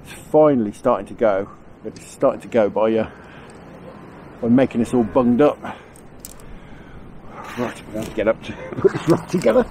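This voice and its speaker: A man's voice: mid-range voice, lively intonation, moderate pace, warm tone. A man with a cold, sounding nasal and bunged up, chatting casually outdoors on a riverbank as he films his own fishing trip, rambling and chuckling as he goes. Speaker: angling vlogger. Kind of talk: casual on-the-spot commentary. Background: faint wind noise.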